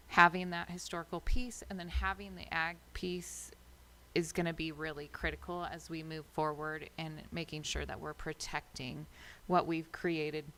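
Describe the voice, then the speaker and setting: Low, flat-toned American woman chairing a meeting. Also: a little hiss or hum. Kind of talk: public meeting remarks. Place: city council chamber.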